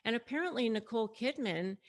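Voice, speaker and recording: A woman's voice: on the high side, expressive, a little fast. A woman speaking as an online coach, explaining and advising in a conversational, emphatic way straight to her viewers. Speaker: online negotiation coach and host. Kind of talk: explanatory video talk to camera, retelling and advising.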